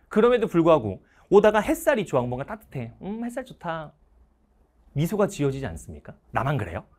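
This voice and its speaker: A man's voice: high-pitched, a little mellow. A middle-aged male teacher giving a motivational talk to students, acting out parents and everyday scenes as he goes. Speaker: Korean history teacher.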